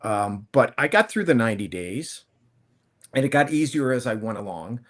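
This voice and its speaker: His mid-range voice is sing-song and fairly bright, moving at a moderate pace. This man in his fifties, a plant-based food entrepreneur on a panel, recounts his story in loose, rambling chat full of restarts and self-corrections.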